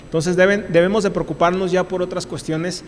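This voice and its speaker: A man's voice: high-pitched, fairly even intonation, brisk, in a large hall, slight background noise. A man with a Mexican accent, a labor lawyer, gives a university lecture in an emphatic, repetitive way, restarting often. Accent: Mexican Spanish. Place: lecture hall.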